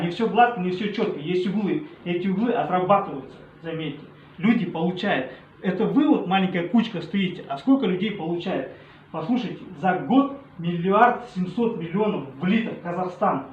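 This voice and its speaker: A man's voice: high voice, lively intonation, a little fast, echoey room, dull audio, a little hiss or hum. A man representing a company, insistently pleading with an angry crowd.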